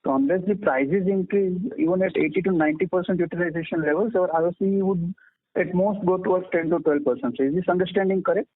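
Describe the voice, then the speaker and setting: A man's voice: high-pitched, quick pace, dry recording. A man with an Indian accent calling in as an individual investor, asking methodical, polite questions on an earnings call. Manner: polite, methodical, checks his reasoning. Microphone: phone call. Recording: dry, thin phone-line sound.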